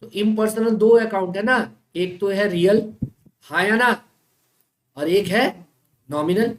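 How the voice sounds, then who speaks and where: A woman teaches accounting, often stopping to quiz the class. She drags out key terms slowly, as if for students to write them down. The sound is echoey, with a faint hiss behind it. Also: mid-range voice. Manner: asks the class checking questions over and over. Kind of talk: classroom lecture.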